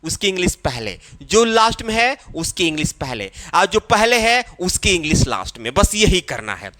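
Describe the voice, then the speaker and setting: A man with a Hindi-influenced English accent, teaching spoken English in a slow classroom style and repeating phrases as he drills them. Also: high voice, sing-song, sharp tone. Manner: repeats phrases slowly, drawing out English words.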